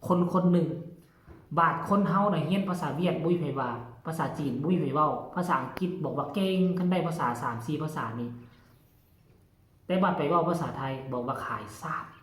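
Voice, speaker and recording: A man's voice: fairly high pitch, normal speed. A man with a Lao accent, from Laos, talking to his fans in a casual vlog and lecturing them in a folksy, preachy way. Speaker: vlogger addressing fans. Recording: roomy echo.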